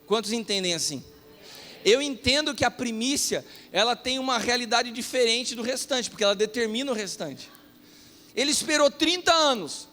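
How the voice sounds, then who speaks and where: A Brazilian pastor preaching a sermon, telling a self-mocking story in an animated way. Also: male voice, very high-pitched, normal speed. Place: church hall. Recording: long reverb of a church hall.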